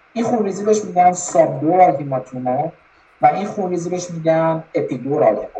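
Through noticeable background noise, a man speaks very fast at a high pitch with ordinary pitch variation. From Iran (Tehran). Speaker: physician. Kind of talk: radio interview.

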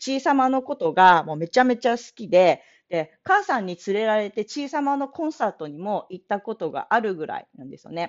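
A woman talks at a medium pitch. Her pace is moderate. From Hokkaido, Japan (Sapporo). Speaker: podcast host. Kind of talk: casual monologue. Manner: casual, chatty.

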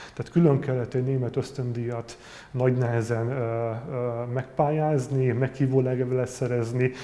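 A man's dark, mellow voice moves at a moderate pace in a monotone, flat intonation. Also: medium pitch for a man. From Hungary, Zala county (Nagykanizsa). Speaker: painter and art professor. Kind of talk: interview. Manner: halting, with many repetitions.

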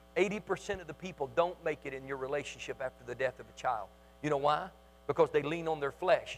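With a Southern US accent, a man talks at a fairly quick pace in a fairly high pitch, his animated tone showing ordinary pitch variation and big swings in loudness. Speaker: pastor. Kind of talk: sermon. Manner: animated, fervent preacher in full flow, urging the congregation to repeat lines; emotional, call-and-response delivery with testimony.

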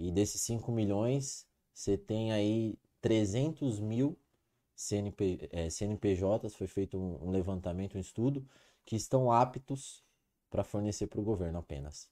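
A man's fairly low, dark and mellow voice at a fairly slow pace, ordinary pitch variation, on a very clean recording with a silent background. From Brazil, Ribeirão Preto (São Paulo state). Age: 30s. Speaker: government sales consultant. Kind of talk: podcast interview.

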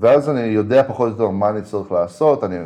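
A man at a very fast pace, fairly low in pitch, dark and mellow in tone, with ordinary pitch variation. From Israel. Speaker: olympic weightlifter. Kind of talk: interview.

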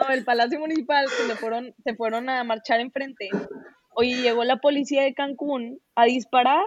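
At a moderate pace, a woman talks in a high voice with an animated tone. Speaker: podcast guest, feminist podcaster. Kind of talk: casual discussion.

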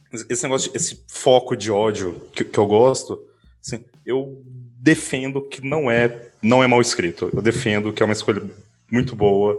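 Moderate pace and ordinary pitch variation from a man with a medium-pitched voice. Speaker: podcast co-host. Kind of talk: casual chat. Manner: halting.

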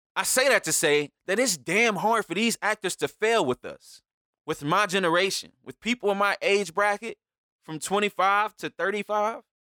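Raising and projecting his high, bright, sharp voice, a man speaks at a moderate pace with ordinary pitch variation, in a very clean recording with a silent background and a dry, close sound with no echo. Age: 20s. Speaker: podcast host, movie commentator. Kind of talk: casual solo monologue. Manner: animated, rambling.

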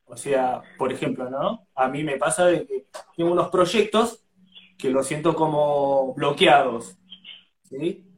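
At a very slow pace, a man speaks in a fairly high voice with lively intonation and big swings in loudness. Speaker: co-host. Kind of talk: interview.

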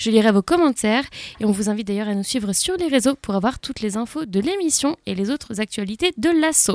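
A woman with an ordinary speaking voice, fairly high pitch, lively intonation and a fairly quick pace, in a dry, close sound with no echo. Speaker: radio host. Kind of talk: live radio talk show. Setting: studio.

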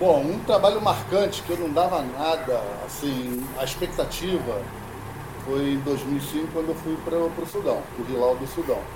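Through noticeable background noise, a man with a fairly high pitch speaks at a moderate pace with ordinary pitch variation. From Rio de Janeiro, northern suburbs. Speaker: football coach. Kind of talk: casual chat. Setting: video call.

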